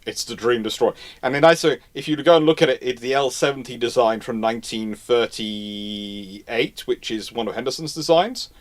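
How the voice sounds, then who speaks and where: A man's voice: mid-range voice, moderate pace. A man hosting a casual live history question-and-answer session, speaking emphatically and repeating phrases for stress. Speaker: host answering viewer questions.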